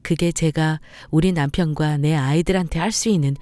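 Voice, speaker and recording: A woman's voice: low voice, fairly even intonation, normal speed, dark tone, no echo. A middle-aged woman telling her own story as scripted narration, earnest and determined.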